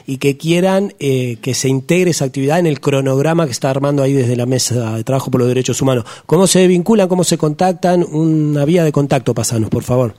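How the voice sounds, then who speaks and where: A man with an Argentine accent hosts a community radio program. His voice sits at a middle pitch. He asks questions and closes segments in a friendly, easygoing manner. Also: quick pace, few pauses, dark tone. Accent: Argentine Spanish. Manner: friendly, easygoing wrap-ups. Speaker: radio host. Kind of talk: casual radio presenting.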